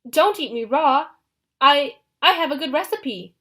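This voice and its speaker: A woman voicing a nervous adolescent male satyr who stammers and talks in a high, fluttery way. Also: sing-song, a little slow, bright, forceful tone, full character voice. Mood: panicked.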